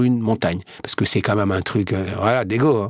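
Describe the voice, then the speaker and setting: A man's voice, with ordinary pitch variation, comes through a dry, close sound with no echo on a very clean recording with a silent background. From France, Seine-Saint-Denis. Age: 40s. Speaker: writer and adventurer. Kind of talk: interview. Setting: studio. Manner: casual, hesitant with fillers.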